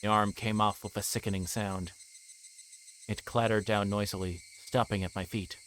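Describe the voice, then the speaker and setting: A man's voice: lowish voice, little pitch movement, normal speed, a bit bright, a little hiss or hum. A man livestreaming a visual novel, reading the text aloud and sometimes stumbling and correcting himself.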